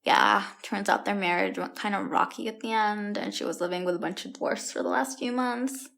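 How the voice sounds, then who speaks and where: An actress playing a blunt, sardonic young fairy-tale heroine with a casual, deadpan delivery in an audio comedy. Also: female voice, medium pitch, moderate pace, vocal fry. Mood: wry.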